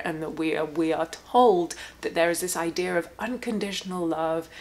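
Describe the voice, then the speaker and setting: Woman therapist rambling at home, lowish voice, candid with a sarcastic streak. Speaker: therapist and channel host. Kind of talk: casual reflective monologue. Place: home room.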